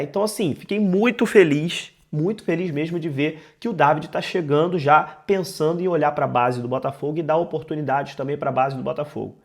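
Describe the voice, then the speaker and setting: A man with a Brazilian Portuguese accent, congested with a cold, giving emphatic, conversational football commentary as a channel host, repeating key phrases. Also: fairly high pitch. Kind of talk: sports news commentary to camera.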